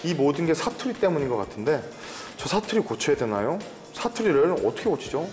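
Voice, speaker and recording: A man on a career advice panel who reads a listener's letter, then tells his own stories in an animated way. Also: fairly high pitch, a little fast, big-room sound. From Korea, moved around the country as a child. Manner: animated storyteller who slips into a dialect when excited. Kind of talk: reading a letter, then casual panel chat.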